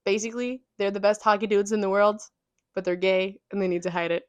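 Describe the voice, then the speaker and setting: A young woman co-hosting a podcast in casual chat, excitable and quick to swear and laugh. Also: medium pitch, smooth, dry recording. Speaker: podcast co-host.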